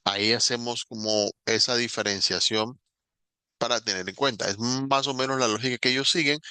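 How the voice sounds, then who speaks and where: A man, an English teacher explaining grammar patiently in a recorded online lesson and slowing down to spell out examples. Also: medium pitch, fairly even intonation, pushed and bright, clear, resonant tone, no echo.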